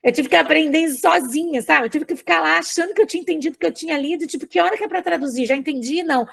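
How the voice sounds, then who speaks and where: A woman's voice: high voice, very fast, creaky. A woman with a Brazilian Portuguese accent teaching an informal lecture, explaining with chatty examples and asides.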